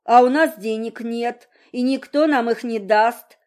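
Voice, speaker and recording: A woman's voice: on the high side, a little slow, a little mellow, natural voice. A woman voicing a poor, guilty father who rambles and makes excuses. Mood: pleading. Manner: rambling, pleading, excuse-making.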